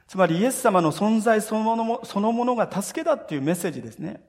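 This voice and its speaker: A male pastor with a high, expressive voice preaches quickly in a church sanctuary, telling the story with earnest feeling and addressing his listeners directly. He voices scripture quotes as he goes, and the recording carries the long reverb of a church hall.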